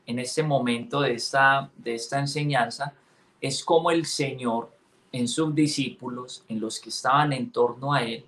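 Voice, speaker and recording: A man co-hosting a Christian teaching program, speaking in a calm, affirming way. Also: medium pitch, a little slow. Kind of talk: Christian teaching, conversational sermon.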